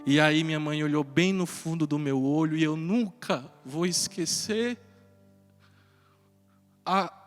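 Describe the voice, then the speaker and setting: A man, a priest telling a personal story in a sermon, animated and then hushed for tender moments. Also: fairly high pitch, slow, long pauses. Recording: reverberant church hall with faint music.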